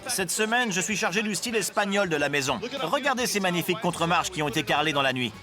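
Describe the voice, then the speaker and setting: A man's voice: high voice, animated, quick pace. A man dubbing a home makeover designer, talking in an earnest, reflective way. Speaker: renovation team designer. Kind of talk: dubbed reality-show voice-over. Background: background music.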